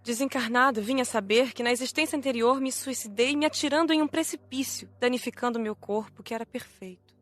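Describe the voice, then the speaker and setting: A resigned female spirit played by a woman tells of her past. Her voice is slightly high, with music, in an audiobook drama. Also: fairly quick, hardly any pauses, fairly bright tone, natural voice.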